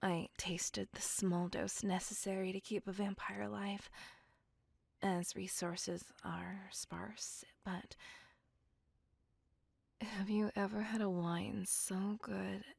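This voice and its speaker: A woman's voice: medium pitch, little pitch movement, slow, creaky, a little mellow, breathy edge, no echo, heavily acted. A woman voicing a polite, possessive female vampire in an ASMR roleplay, speaking formally and often whispering close to the mic. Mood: whispered yearning. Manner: formal, courteous old-fashioned speech; whispering intimately. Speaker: voice actor.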